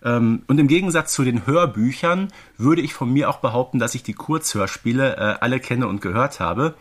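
A man's voice: medium pitch, moderate pace. A middle-aged man co-hosting a podcast, discussing audio dramas casually in an explanatory way with tag questions and asides. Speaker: podcast co-host.

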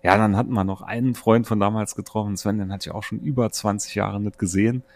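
A man of around forty from Germany, casually telling anecdotes as a podcast host in a chatty, animated way. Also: on the low side, fast talker. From Saarland, Germany. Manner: chatty, animated storyteller who acts out friends' dialogue.

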